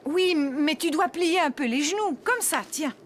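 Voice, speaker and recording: A gentle cartoon mom with a high voice that swings in pitch. She is patient and encouraging, with clear noise behind her. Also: expressive, normal speed. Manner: encouraging, reassuring. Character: gentle, patient, reassuring young mother. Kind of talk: children's cartoon dialogue.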